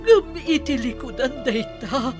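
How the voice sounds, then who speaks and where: A woman's voice: sits high, unhurried, over music. An actress playing a grieving mother who pleads tearfully with her jailed son.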